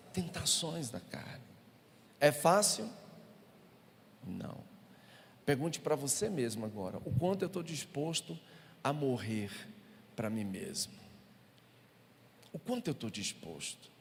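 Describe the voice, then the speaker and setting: A pastor with a Brazilian Portuguese accent delivers a sermon full of funny anecdotes to his congregation in an echoing church hall. His somewhat high voice has a creaky quality, and there's a little hiss or hum.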